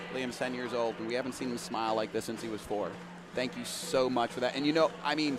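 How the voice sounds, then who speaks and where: A man talks at a very fast pace in a medium pitch with fairly even intonation, over noticeable background noise. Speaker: wheelchair athlete and guest commentator. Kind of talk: live sports broadcast chat. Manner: loud and boisterous.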